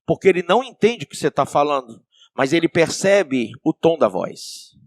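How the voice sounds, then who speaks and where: A male pastor with a Brazilian accent preaching a sermon, asking the congregation questions and swinging between soft and loud. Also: fairly high pitch, very animated, normal speed, dry recording, clean studio sound. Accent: Brazilian Portuguese.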